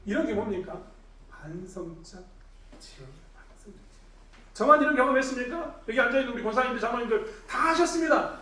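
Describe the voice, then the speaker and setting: A middle-aged man preaching a Sunday sermon as pastor, animated, acting out quoted voices and swinging from loud to hushed. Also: extremely high pitch, fast. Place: church sanctuary. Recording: roomy church sound, voice picked up from a distance.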